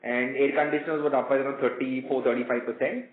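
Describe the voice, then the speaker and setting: A man's voice: mid-range voice, fairly even intonation, fast talker. A man with an Indian accent giving explanatory answers as a company executive on an earnings call. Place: conference call. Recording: muffled, roomy conference phone line.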